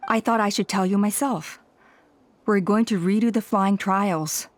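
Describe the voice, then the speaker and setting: A woman's voice: mid-range voice, a little slow, lightly acted. A woman playing a dutiful, composed female tribal elder in an anime-style video game, formal and polite. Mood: apologetic. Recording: music playing behind the voice.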